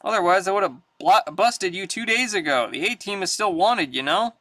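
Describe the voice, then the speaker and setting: Man voicing an undercover agent, indignant, exasperated, high bright voice. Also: animated, normal speed, no room sound. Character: male undercover agent, indignant and sharp-tongued.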